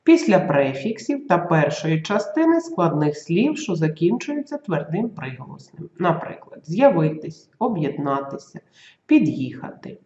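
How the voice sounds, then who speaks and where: A teacher giving a school grammar lesson, dictating slowly and carefully and sounding out letters and example words. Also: mid-range voice, big pitch swings, a little mellow, roomy sound, lo-fi sound.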